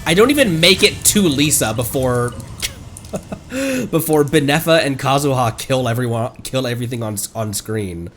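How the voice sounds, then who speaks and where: A man livestreams a video game, chatting casually and thinking aloud in a rambling way as he plays. His mid-range voice is a bit bright and at normal speed, with soft background music.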